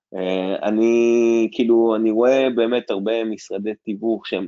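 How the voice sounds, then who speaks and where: A man at medium pitch, speaking at a very slow pace. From Israel, Jaffa. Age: 30s. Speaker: real estate agency owner. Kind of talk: interview.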